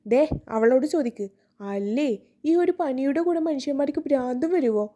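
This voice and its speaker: A woman voicing an easygoing, rough young man who talks in a wry, offhand way. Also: high voice, expressive, normal speed, mellow.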